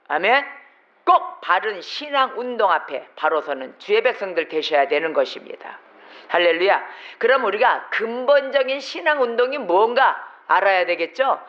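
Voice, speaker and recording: A pastor preaching a sermon with emphasis, throwing rhetorical questions at the congregation. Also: male voice, sits high, dull audio. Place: church sanctuary.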